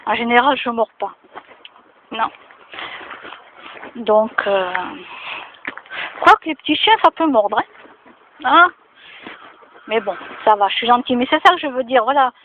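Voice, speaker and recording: A woman's voice: on the high side, lively intonation, a little slow, pauses often. A woman vlogging casually to camera, chatting and moralizing with many fillers, recorded outdoors near her home. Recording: tinny phone-like sound with faint noise.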